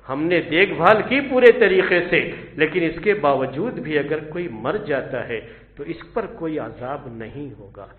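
Man preaching, thin phone-like sound. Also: on the high side. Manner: earnest, repeating points and swinging from soft to loud. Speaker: Friday sermon preacher. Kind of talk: Friday sermon. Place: mosque. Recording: tinny phone-like audio.

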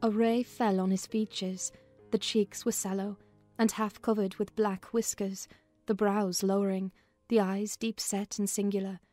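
A woman narrates a classic novel as a housekeeper, in a measured storytelling style. Her voice is mellow and of medium pitch. Soft music plays behind her. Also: little pitch movement. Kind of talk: dramatized audiobook narration, in character as a housekeeper. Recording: music under the voice.

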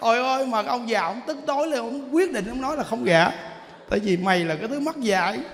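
A man's voice: very high-pitched, fast. A male Buddhist monk with a Southern Vietnamese accent gives a humorous Dharma talk, telling stories with lots of laughter and exclamations. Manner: animated storytelling, frequent laughter and exclamations. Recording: reverberant hall, faint background noise.

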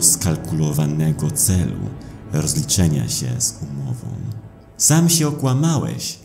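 A man voicing a calm, dark supernatural death figure that reproaches coldly in a horror audio drama. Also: sits low, roomy sound, pitched above the performer's own voice, exaggerated voice. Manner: calm, accusing.

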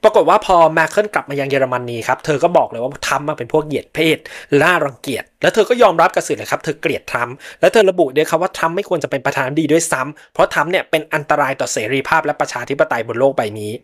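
A male host telling a true story in a chatty, polite, casual narrating manner, with frequent soft sentence-end particles. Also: on the high side, lively intonation, very fast, few pauses.

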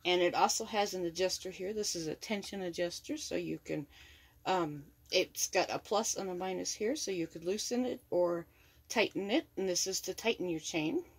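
A woman's voice: fairly low pitch, normal speed, husky. A woman giving a chatty, upbeat unboxing review of a tool in her home workshop, talking from behind the camera. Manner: chatty, upbeat, repeats praise. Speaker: product reviewer.

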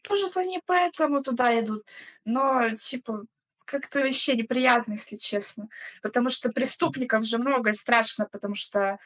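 A young woman talks over a video call in a loose, hesitant way, padding her thoughts with fillers. Her voice sits a little high for a woman. She is from the Russian Far East. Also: moderate pace, fairly bright tone. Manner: hesitant, filler-heavy, unsure. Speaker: chat roulette guest. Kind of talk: casual chat.

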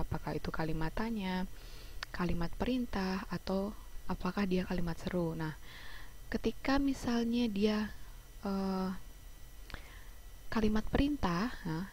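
A woman teacher with an Indonesian accent giving an online class over a video call, explaining slowly with many fillers and restarts. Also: medium pitch, a little mellow, slight background noise, poor audio. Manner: hesitant explaining, frequent fillers, self-corrections.

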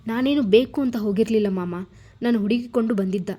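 Little girl, 3, all teary and pleading, warm soft voice as a woman reads her lines. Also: on the high side, a little fast, natural voice. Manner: pleading, sobbing speech. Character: little girl of three, tearful and clingy.

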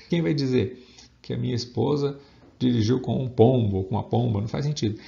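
A man teaching an English lesson, explaining slowly, repeating example phrases and asking "okay?" again and again. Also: medium pitch, creaky, warm tone. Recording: dull lo-fi recording.

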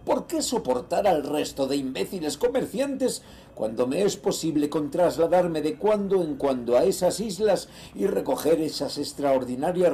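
A ruthless nineteenth-century sea merchant acted by a man dictates his journal in an audio horror drama. The voice is fairly high for a male and soft-edged, with a gravelly creak. The delivery is solemn, measured and theatrical, greed running underneath. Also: a little hiss or hum. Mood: smug, greedy. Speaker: voice actor in an audio horror series.

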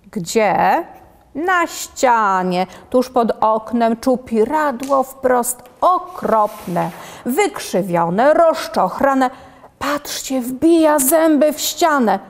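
A woman reading rhymed children's poems aloud in a lively, expressive storybook manner. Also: a little high, big-room sound. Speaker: children's book reader.

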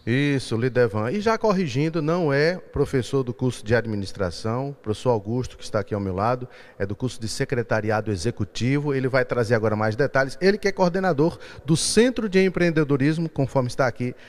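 A man's voice: medium pitch, fairly quick, hardly any pauses. A man in his forties, a TV reporter, doing a live field report with prompting questions. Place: outdoors on a university campus. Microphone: handheld reporter mic.

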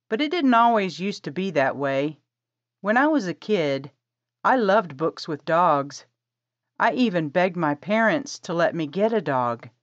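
A woman's voice: on the low side, no echo, muffled recording. A woman voicing an eager, chatty young woman who loves books.

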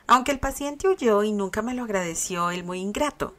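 A woman's voice: mid-range voice, animated, moderate pace, fairly bright tone, close to an everyday voice. A woman reading a fan story aloud and voicing a sweet, bashful, curious young girl. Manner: earnest, shy.

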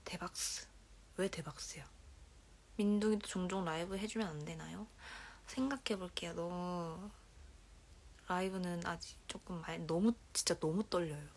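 A woman's voice: on the low side, fairly even intonation, normal speed. A young woman in her twenties with a Korean regional accent, chatting casually on a livestream from a dim bedroom, reading comments aloud and often dropping into whispers and giggles. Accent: Korean regional dialect. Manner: soft-spoken, drifts into whispers and giggles. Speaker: idol livestream host. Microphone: phone held at arm's length.

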